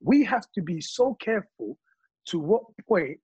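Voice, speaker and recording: A man from Congo talking passionately in casual chat, telling his views with animated stories. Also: high voice, a little slow, breathy edge, no echo, muffled recording.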